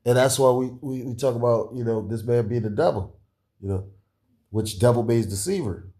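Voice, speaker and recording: A man in casual podcast talk, rambling with many fillers and restarts and chuckling often, with a deep voice. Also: normal speed, mellow. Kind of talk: casual conspiratorial chat.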